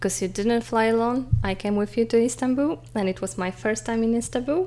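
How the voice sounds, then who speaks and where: A woman speaks in a Polish accent. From Poland. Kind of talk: casual chat.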